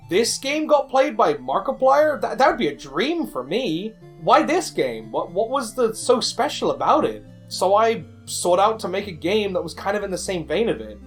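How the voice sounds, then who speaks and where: A man narrating a personal video about his own work in a conversational, rambling, self-deprecating way. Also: on the high side. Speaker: indie game developer and video creator. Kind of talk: casual scripted-feeling personal narration.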